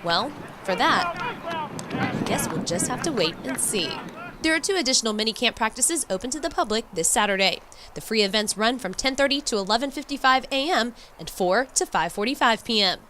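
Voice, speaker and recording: A woman's voice: on the high side, expressive, fairly quick, sharp tone, slight background noise. A woman reading scripted news narration as a multimedia reporter.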